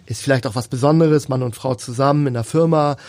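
Halting man co-founder, dry sound. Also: medium pitch, a little mellow, no echo. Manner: halting, many restarts and fillers. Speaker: company co-founder, guest. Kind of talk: casual interview chat.

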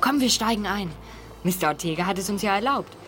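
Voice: medium pitch, lively intonation, fairly quick, natural voice. A performer playing a bold teenage detective in a children's radio play. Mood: confident, brisk. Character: bold teenage detective urging his friend on.

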